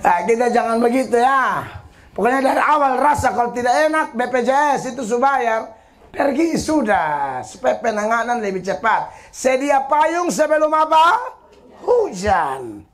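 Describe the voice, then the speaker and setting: A woman pastor, preaching an animated, emphatic sermon, often raising her voice. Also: fairly high pitch, moderate pace.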